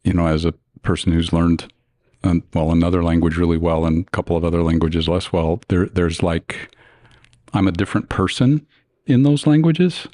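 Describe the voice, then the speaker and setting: An American man in thoughtful casual conversation, affirming others and piecing his sentences together haltingly. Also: sits low, mellow, no echo, studio quality. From United States.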